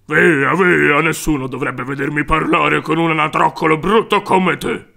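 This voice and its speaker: A man's voice: fairly high pitch, steady tone, normal speed, vocal fry, bright, forceful tone, exaggerated voice. A man voicing a scornful, dismissive farm animal in a children's storybook cartoon, mocking and curt.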